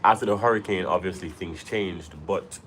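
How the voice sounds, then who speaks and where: Deep-voiced Jamaican man chatting on a livestream. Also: moderate pace. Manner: loose and rambling, talks straight to viewers. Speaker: livestream host on money and investing. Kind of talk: casual livestream talk to viewers. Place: at home, with a view behind. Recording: clear background noise.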